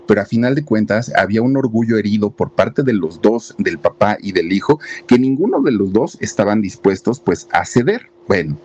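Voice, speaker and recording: A man, telling a story in a chatty, animated way and sometimes acting out the people in it. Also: on the low side. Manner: chatty, animated, acts out quoted voices. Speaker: storyteller host. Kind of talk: casual storytelling. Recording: dull lo-fi sound.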